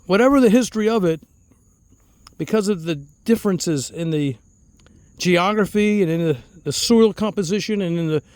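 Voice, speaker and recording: A man's voice: sits high, normal speed, a little mellow, no room sound. A man telling stories in a casual, rambling vlog, chuckling often and repeating his words, outdoors among his fig trees. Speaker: fig grower and channel host.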